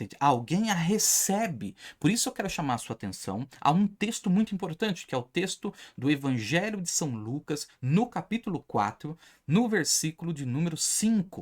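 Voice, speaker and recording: A very clean recording with a silent background, at a moderate pace. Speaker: preacher. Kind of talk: sermon.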